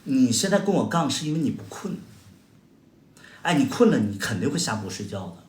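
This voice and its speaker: Casually chatting on a livestream, a man from Heilongjiang with a Northeastern Mandarin accent answers viewer comments with sarcastic, combative jabs and exaggerated exclamations. His voice is medium-pitched, sing-song and fairly quick, echoing around the room.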